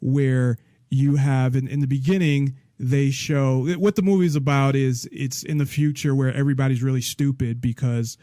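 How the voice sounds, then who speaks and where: A man hosts a relaxed talk interview, his thoughts wandering and doubling back, with quick soft laughs along the way. His voice sits at an ordinary middle pitch. The sound is close and dry, with no room around it. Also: no room sound. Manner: rambling, with many restarts and soft laughs. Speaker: host. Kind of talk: casual interview chat.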